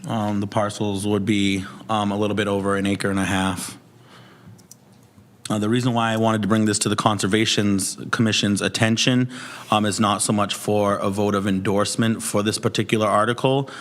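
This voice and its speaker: Male petitioner, hoarse, lowish and monotone, giving a courteous semi-formal presentation at a public meeting. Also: moderate pace. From Mashpee, Massachusetts, United States. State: hoarse, voice partly lost. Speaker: petitioner addressing a commission. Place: town hall meeting room.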